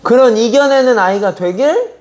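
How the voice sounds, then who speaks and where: A man's voice: very high voice, expressive, normal speed, darkish tone. Middle-aged male preacher, youth service sermon, chatty tone, keeps asking the room questions. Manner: conversational preaching with rhetorical questions. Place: church sanctuary.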